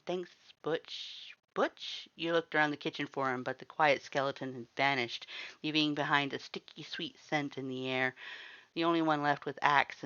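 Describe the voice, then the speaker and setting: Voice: mid-range voice, sharp tone, clean tone, no echo, highs cut off. A narrator reading fan fiction aloud as a story, in a scripted audiobook style.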